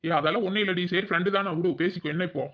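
Cartoon village husband, sulky and jealous, Kongu accent, snaps back in rapid bursts; a man voices him; muffled lo-fi sound. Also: sits high, steady tone. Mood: grumpy. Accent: Kongu Tamil. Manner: curt, snapping replies. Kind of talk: cartoon voice acting.

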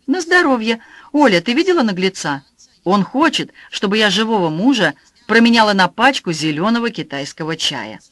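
An audiobook reader voicing a lively young woman with a mocking edge. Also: medium pitch, normal speed, no room sound.

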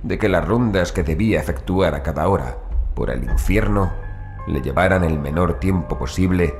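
Male, extremely low pitch, horror audiobook narration, measured formal reading, music behind. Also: darkish tone. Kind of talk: scripted horror story narration.

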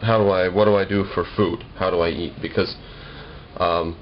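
A man's voice: sits low, steady tone, moderate pace. A young American man talking casually to the camera in a wry, slightly formal way, explaining things in a homemade vlog. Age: young adult. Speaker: video blogger. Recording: dull lo-fi home video with noise.

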